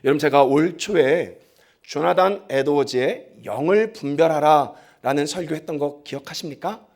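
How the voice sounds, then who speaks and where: A pastor preaching a sermon, telling stories with lively drama and acting out the people he quotes, often speaking straight to the congregation. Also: on the high side, normal speed. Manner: animated storytelling, acts out quoted voices; talks straight to the congregation, asks them to repeat.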